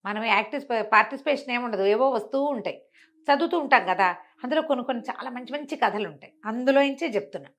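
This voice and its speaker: A woman telling devotional stories conversationally, in an expressive, emphatic way that repeats phrases for effect. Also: a little high, fast talker. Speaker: storyteller and talk show guest.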